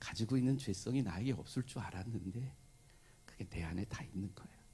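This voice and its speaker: At a fairly quick pace, a man talks in a medium pitch with ordinary pitch variation and a dark, mellow, somewhat breathy tone. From South Korea. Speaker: pastor. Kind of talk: sermon. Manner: animated.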